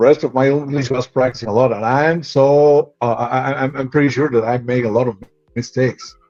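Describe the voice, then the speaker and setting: A man with a slight Mexican accent speaks at a fairly quick pace. His medium-pitched voice keeps fairly even intonation. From Mexico, Monterrey. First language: Spanish. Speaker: technical inspection trainer. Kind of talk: casual group chat. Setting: online live stream. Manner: hesitant, many repetitions.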